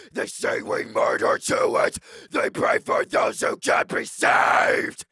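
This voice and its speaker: A man performing distorted false cord screams for extreme metal, a deep rasping growl with a menacing, anguished character. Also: fairly bright tone, no room sound, clean studio sound, full character voice.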